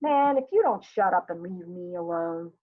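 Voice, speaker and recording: A woman's voice: high-pitched, big pitch swings, moderate pace, creaky, phone-quality sound, pitched above the performer's own voice, exaggerated voice. A woman voicing a brash, grumbling husband and father with a blustering, self-important manner.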